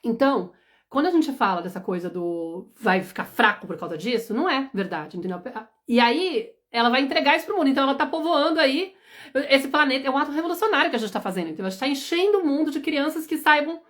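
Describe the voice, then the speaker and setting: A woman in her thirties hosts a casual live stream on parenting. She talks very quickly in a somewhat high voice, animated and emphatic, with frequent "you know?" check-ins. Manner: animated, emphatic, often asks "entendeu?". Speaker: parenting educator and mentor.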